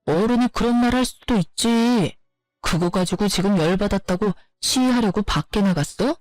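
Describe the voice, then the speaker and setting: A woman's voice: mid-range voice, normal speed, a little mellow, no room sound, soft background music, lightly acted, rough recording. Brief: snappish tired husband, read by a woman, blaming tone, storybook reading, dry close sound. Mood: accusing. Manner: accusing, snappish. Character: irritable tired young husband.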